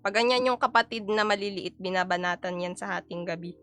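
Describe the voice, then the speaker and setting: A woman's voice: mid-range voice, a little fast, a bit bright, clean tone, no room sound, soft background music. A young woman from the Philippines chatting playfully and giggling on a casual cooking live stream.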